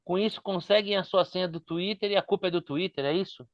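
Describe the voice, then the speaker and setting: A man's voice: high-pitched, quick pace, no room sound, muffled recording. A man hosting a panel discussion, asking leading questions with many hesitant restarts. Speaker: host.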